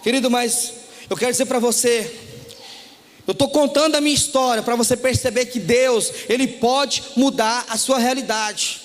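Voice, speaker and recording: A man's voice: very high voice, fairly even intonation, moderate pace. A Brazilian man giving a sermon testimony, telling his story and acting out the dialogue, often calling the listeners "dear". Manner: storytelling, acts out dialogue, calls listeners "querido". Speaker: church speaker giving testimony. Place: church hall. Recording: long hall reverb.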